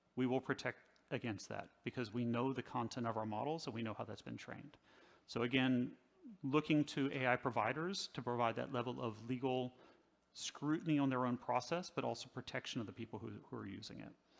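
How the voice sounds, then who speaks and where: An unremarkable speaking voice from a man with an American accent, medium pitch, ordinary pitch variation and a fairly quick pace. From US. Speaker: tech company executive. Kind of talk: conference keynote.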